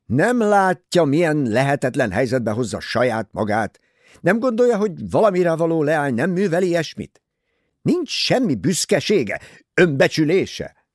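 A man performs a jittery young husband in an audiobook, raised and loud, swinging wildly in pitch as he pleads. His voice is husky and a little gravelly. The recording is close and dry. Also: no room sound. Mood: agitated. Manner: excited, pleading outbursts. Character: nervous agitated young husband, defensive.

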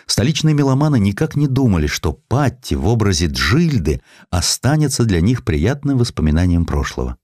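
A man narrates a historical tale in an expressive, theatrical storytelling manner. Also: lowish voice, normal speed, no room sound, studio quality. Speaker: audiobook narrator. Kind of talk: dramatic scripted narration of historical sketches.

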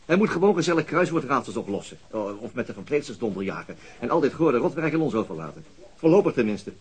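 A man acting a brisk, fast-talking police detective. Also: medium pitch, sing-song, close to an everyday voice. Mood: wry, placating. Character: brisk, dry, overworked police detective in charge. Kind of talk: radio drama acting.

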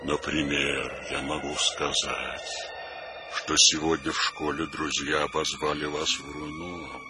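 An actor playing a mysterious, soothing wind spirit in a radio drama, speaking in a hushed, enigmatic, drawn-out manner. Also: male voice, extremely low pitch, level tone. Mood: gently persuasive. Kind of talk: Russian radio drama acting. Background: music.

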